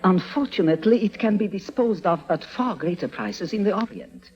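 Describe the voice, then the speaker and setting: An actor playing a smooth, ingratiating schemer who talks in a courteous, hesitant, roundabout way. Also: male voice, high-pitched, expressive, normal speed. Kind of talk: 1950s radio drama. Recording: muffled old radio recording.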